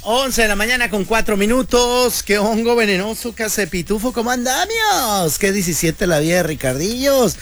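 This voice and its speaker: A man's voice: high-pitched, lively intonation, moderate pace, few pauses, a bit bright. A man, hosting a radio show in a joking, slangy monologue. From Mexico. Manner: joking, slangy, playful banter. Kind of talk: casual comedic radio monologue.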